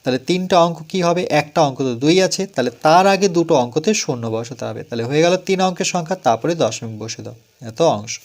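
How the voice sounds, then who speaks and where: A male math teacher with a West Bengal Bengali accent walks through a lesson slowly, counting steps aloud and asking himself questions before he answers them. His voice sits a little high for a man. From West Bengal, India. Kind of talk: step-by-step classroom explanation.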